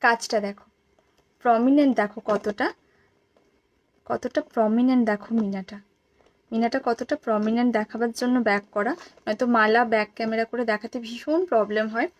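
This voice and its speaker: A woman with a hoarse, worn voice talks softly on a live stream, showing jewellery and repeating each price again and again. Her voice sits a little high, and the chat is loose and friendly toward the viewers. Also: steady tone, fairly quick, rough recording.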